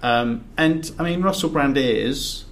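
A man's voice: mid-range voice, slow. Rambling man podcasting. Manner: rambling, many restarts and repeated words. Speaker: podcast co-host. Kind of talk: casual chat. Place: big echoey box used as studio. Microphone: sitting back from the table and mic.

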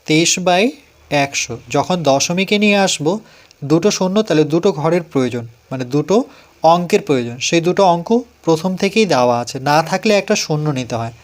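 A man's voice: a little high, animated, quick pace. Patient Bengali man teaching math. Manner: patient, repeats digits one by one. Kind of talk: classroom math lesson, explaining step by step.

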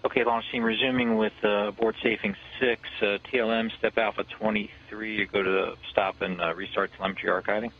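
A low-voiced man reads out launch steps over a muffled radio comms loop, husky and a little dull in tone. He is brisk and procedural, with the odd hesitation between calls. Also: flat delivery. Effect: radio communications loop. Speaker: launch conductor. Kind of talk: clipped countdown radio calls.

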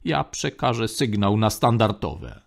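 A man doing a wry, gravelly space general. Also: lowish voice, animated, measured pace. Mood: urgent. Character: cocky male smuggler-general, wry and quick.

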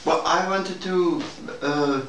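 A man speaking in a measured, hesitant and formal way in a reflective debrief conversation. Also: fairly high pitch. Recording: roomy, distant mic, faint noise.

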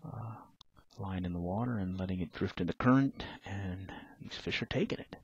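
A man's voice: sits low, moderate pace, slightly rough, no echo, lo-fi sound. A middle-aged man, narrating his fishing trip in a laid-back, plain-spoken way with lots of uh fillers. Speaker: fishing vlogger. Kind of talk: casual voice-over narration.

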